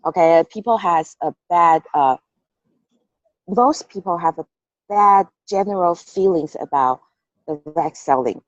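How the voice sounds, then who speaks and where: A woman's voice: fairly low pitch, unhurried, no echo. Taiwanese woman, candid, chatty storyteller. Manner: candid, laughing, with hesitant restarts and "okay" fillers. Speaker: interviewee. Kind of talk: casual interview. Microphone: call recording. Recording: dull lo-fi call audio.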